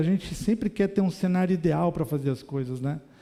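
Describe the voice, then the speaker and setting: A man with a fairly high pitch and a dark, mellow tone speaks at a moderate pace. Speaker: minister preaching. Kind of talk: sermon.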